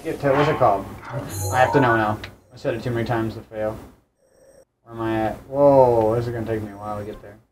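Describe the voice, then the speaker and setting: A man's voice: on the low side, fairly even intonation, fast. Guy rambling to himself playing a video game, mic kinda far off, lots of background noise. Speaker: gaming host. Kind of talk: casual let's-play commentary.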